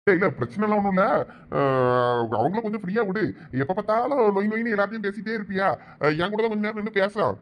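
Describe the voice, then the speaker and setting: A man's voice: sits high, fast talker, close to an everyday voice. A man voicing a sly, scheming young man in a cartoon, with a Thoothukudi Tamil accent. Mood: coaxing. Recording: dull lo-fi sound.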